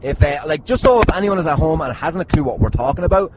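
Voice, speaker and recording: An Irish man with a fairly high voice hosts a loose comic chat. He teases and swears freely as he talks. Loud noise runs through the recording. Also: lively intonation, fast talker. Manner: jokey, teasing, sweary. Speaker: podcast host. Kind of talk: casual comic banter. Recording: very noisy, slightly distant at times.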